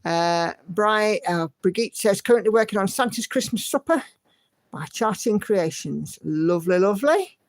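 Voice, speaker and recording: An unhurried woman with a medium-pitched voice hosts a livestream, chatting casually. She's encouraging as she reads viewer comments aloud, humming to herself now and then.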